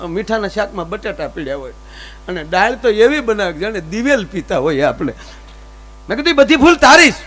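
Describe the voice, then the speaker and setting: A man performs stage comedy in a high, lively voice. He plays both sides of each story's dialogue. A faint electrical hum runs under the live mic. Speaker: folk comedian.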